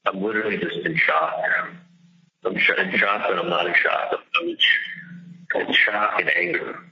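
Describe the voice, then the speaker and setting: A man's voice: sits low, steady tone, normal speed. A man venting casually and profanely on a phone call, agitated and emphatic, often repeating himself. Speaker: jailed caller on a recorded phone call. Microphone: telephone. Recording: dull lo-fi recorded jail phone call.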